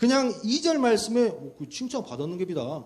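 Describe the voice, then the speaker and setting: A man with a high pitch talks in an animated tone with a Jeolla accent, using very wide pitch swings at a moderate pace. Noticeable background noise and audible room echo are present. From Jeolla, Mokpo. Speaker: pastor. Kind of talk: sermon. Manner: animated, call-and-response.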